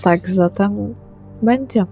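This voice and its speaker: A woman's voice: mid-range voice, takes it slowly, creaky, warm tone, soft background music. A woman playing a tabletop role-playing game, improvising dialogue in character. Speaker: tabletop RPG player.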